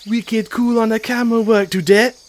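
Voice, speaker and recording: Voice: medium pitch, fairly even intonation, normal speed, lightly acted. An actor playing a laid-back surfer dude ape in an audio drama, slangy and breezy. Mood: cool, breezy. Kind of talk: fan audio drama acting.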